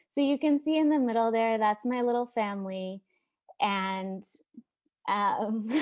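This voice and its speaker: A woman with an American accent uses a plain, everyday voice, fairly high in pitch, speaking at a fairly slow pace with ordinary pitch variation and very even loudness. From US Midwest, rural northeastern Wisconsin. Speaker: nurse-midwifery student, keynote speaker. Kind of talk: keynote presentation.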